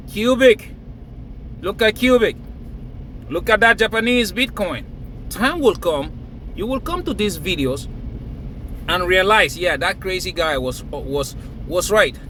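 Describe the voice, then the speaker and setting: High, bright-voiced man hyping. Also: slight background noise. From Cameroon, raised in Nigeria. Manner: emphatic, repetitive, laughs between phrases. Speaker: crypto vlogger. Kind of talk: casual hype monologue to camera.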